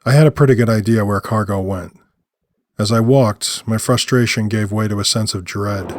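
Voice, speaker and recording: A man's voice: lowish voice, moderate pace. A man narrating scripted first-person audio fiction. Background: music.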